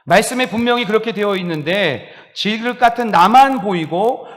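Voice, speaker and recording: A male pastor preaching a sermon, lively and animated, acting out exclamations and laughing along as he speaks. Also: high-pitched, moderate pace. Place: church sanctuary. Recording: reverberant church hall.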